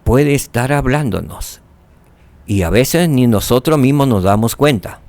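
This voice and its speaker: A man teaching a scripture lesson, asking rhetorical questions and dropping to soft tones for emphasis. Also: medium pitch, lively intonation, a little slow, no room sound.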